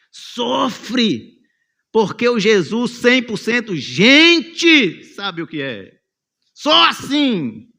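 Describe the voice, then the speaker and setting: A man's voice: mid-range voice, fairly bright tone. A man with a Brazilian Portuguese accent preaching a sermon in a church, telling the story vividly and calling on listeners by name. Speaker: pastor.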